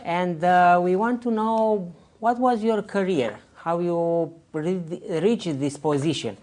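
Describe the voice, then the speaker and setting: Interviewer, slow halting questions, hunting for words, medium pitch. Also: a little mellow. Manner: halting, searching for words in non-native English.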